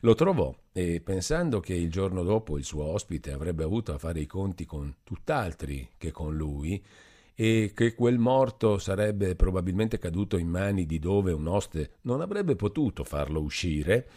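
A man reading a classic novel aloud as narrator, in measured, expressive storytelling. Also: sits low.

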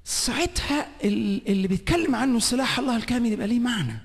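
A man with an Egyptian Arabic accent preaching a sermon at a conference, swinging between shouting and hushed whispers. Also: extremely high pitch, fast, gravelly, slightly rough, long reverb tail. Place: large conference hall.

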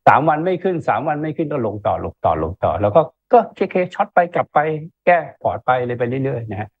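A man's voice: medium pitch, big pitch swings, fast talker, slightly rough, no echo. A man in an interview giving stock market commentary, talking emphatically and checking in with rhetorical questions, over a tinny phone-line sound. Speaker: investment analyst guest.

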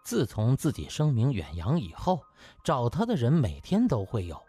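A man's voice: medium pitch, wildly swooping pitch, moderate pace, dark tone, slightly rough, no echo, soft background music. A man narrating a comic novel as a scripted audiobook, in a dramatic storytelling style.

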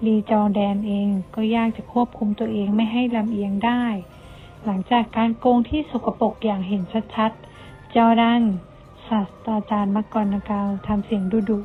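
A woman reads a storybook aloud at a middle pitch, lively and shifting her voice for each character. The sound is thin and phone-like, with faint music under her reading. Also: fairly quick. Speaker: audiobook reader.

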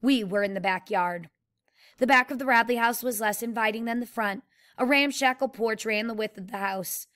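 In a mid-range voice, a woman reads a novel aloud steadily and plainly, pausing now and then to explain the story the way a teacher would.

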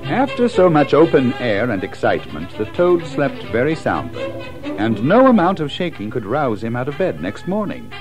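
A man narrating a children's story in an expressive, measured storytelling manner. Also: mid-range voice, over music, low-quality recording. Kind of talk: scripted storybook narration in an audio drama.

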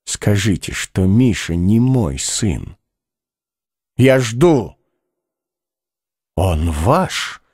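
Guy reading as an old heartbroken doctor, soft half-whisper then yelling mad, dry close sound. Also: on the low side, very animated, drawn-out words, pauses often, husky, no echo, heavily acted. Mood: pleading hushed. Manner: soft tender half-whisper turning to angry shouting. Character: aging heavyset male doctor, heartbroken and bitter. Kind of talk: audiobook character voice.

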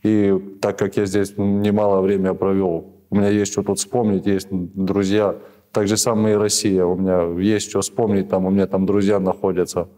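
Man, 30s, interviewee: hesitant, rambling, many restarts, dark low voice, lapel mic in a small office. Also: completely flat delivery, normal speed. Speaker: prisoner of war being interviewed. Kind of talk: halting conversational answers.

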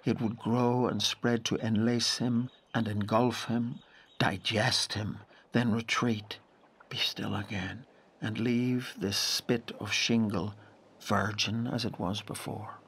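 An actor playing a grave, intense narrator in a literary audio drama, measured and full of dramatic pauses. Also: male voice, lowish voice, fairly even intonation, fairly bright tone, breathy edge, full character voice. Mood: hushed wonder. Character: grave narrator haunted by a wild lake memory.

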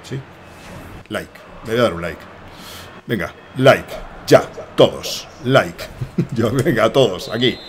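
A young man from Spain with a Spanish accent, giving rambling, excitable commentary while playing a soccer game and swearing often. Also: lowish voice, slow pace, pauses often, slight background noise. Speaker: gaming streamer.

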